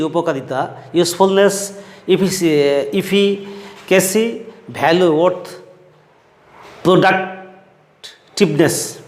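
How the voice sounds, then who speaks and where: A male English teacher from Bangladesh reading out lists of synonyms word by word and explaining them to his students. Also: high-pitched. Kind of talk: slow vocabulary lesson, reading word lists. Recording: echoey room with long reverb.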